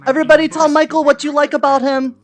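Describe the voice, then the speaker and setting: A woman's voice: high-pitched, level tone, fast talker. A woman roleplaying in a social VR game, speaking in a chirpy, effusive, encouraging way. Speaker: content creator, roleplayer.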